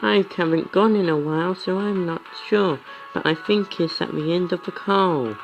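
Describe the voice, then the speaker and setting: A man's voice: high voice, moderate pace, creaky, voice pushed up, poor audio. A man voicing a friendly, chatty teenage schoolgirl in a visual novel game. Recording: music behind the voice.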